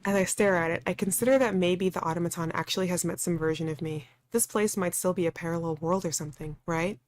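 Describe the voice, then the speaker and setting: Girl reading wary stubborn visual novel hero telling their own story, dry, lowish voice. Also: quick pace, a little mellow, lightly acted. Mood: uneasy, pondering. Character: stubborn, wry, wary young protagonist narrating their ordeal. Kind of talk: visual novel narration read aloud.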